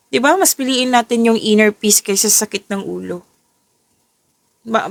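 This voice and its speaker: A tired Filipina tarot reader with a gravelly, mid-range voice does a casual reading that mixes English and Tagalog. Her voice is a little off, the recording has no room sound, and she keeps correcting herself, restarting and rephrasing as she goes.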